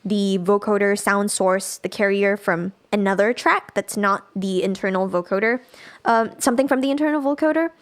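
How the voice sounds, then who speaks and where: A woman giving a casual live software tutorial as a music production instructor, thinking aloud as she demonstrates. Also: mid-range voice, normal speed.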